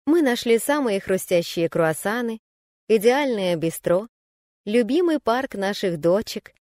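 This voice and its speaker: A woman narrates an audiobook memoir in the first person, calm and reflective. Her voice sits at an ordinary middle pitch. The recording is dry and close, with no room sound. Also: measured pace, dry recording. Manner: calm, even, reflective reading.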